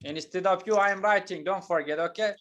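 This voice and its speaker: A man teaching an English lesson, explaining patiently and slowly with many hesitations and fillers. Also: sits high, a bit bright, highs cut off, slight background noise. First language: not Turkish.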